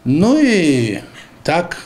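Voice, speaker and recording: A man in his seventies telling a story in halting, deliberate phrases at home. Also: on the high side, big pitch swings, a little mellow, a little hiss or hum. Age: 70s. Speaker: retired navy warrant officer, interviewee. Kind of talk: storytelling interview. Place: home living room.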